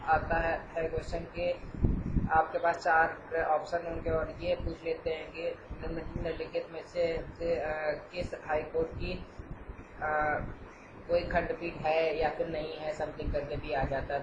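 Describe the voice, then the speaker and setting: A man's voice: on the high side, little pitch movement, a little slow. A man who teaches an exam-prep lecture, explains patiently and keeps checking with "theek hai". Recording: echoey, dull, noisy room.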